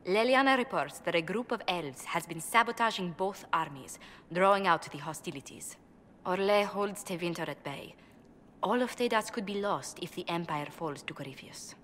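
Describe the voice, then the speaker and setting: An actress playing a poised, cautious court ambassador in a fantasy game, speaking in a formal, measured, diplomatic way. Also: female voice, on the low side, lively intonation, fairly bright tone. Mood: grave, urgent. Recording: reverberant game hall with background noise.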